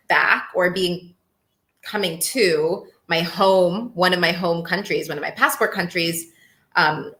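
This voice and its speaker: Young woman guest, lowish and bright, animated, candid, echoey room. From Cape Verde and Mozambique heritage, raised in Ethiopia. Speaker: empowerment coach guest. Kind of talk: casual interview conversation.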